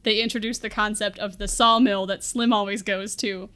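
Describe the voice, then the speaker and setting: A woman's voice: mid-range voice, fairly even intonation, normal speed, a bit bright, clear, resonant tone. A woman co-hosting a podcast, casually recapping a film as a giggly, wry storyteller with mock-dramatic asides. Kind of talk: casual comedic movie recap chat.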